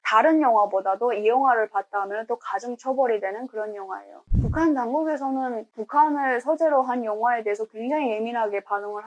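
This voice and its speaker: A woman's voice: on the high side, darkish tone, a little hiss or hum, poor audio. A woman from Pyongyang, North Korea, giving earnest, enthusiastic commentary in a talking-head vlog. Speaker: YouTuber.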